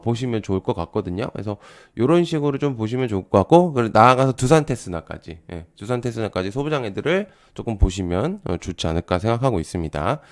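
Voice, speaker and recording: Brief: man in the middle pitch range, lively intonation, chatty market-tips host who hedges with fillers. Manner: conversational, frequent fillers and rhetorical checks. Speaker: stock market commentator. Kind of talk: casual market commentary.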